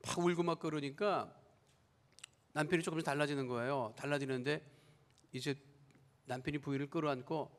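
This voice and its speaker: A man's voice: fairly high pitch, steady tone, a little fast, long pauses, in a large hall. A man preaching a sermon as pastor, telling a story and acting out the voices of the people in it. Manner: storytelling, acts out quoted family members. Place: church sanctuary.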